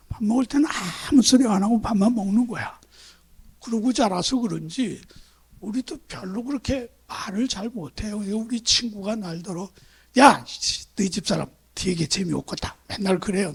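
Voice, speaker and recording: Preaching in the sanctuary, this South Korean pastor from Chungcheong has a high-pitched, husky voice. His sermon unfolds like conversation and storytelling, punctuated by rhetorical questions to the congregation.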